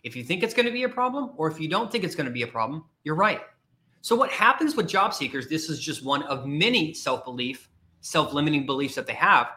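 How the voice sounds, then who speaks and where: A man's voice: a little high, big pitch swings, brisk, pushed and bright. A man speaking as a career coach in a blunt, emphatic motivational talk, repeating his points.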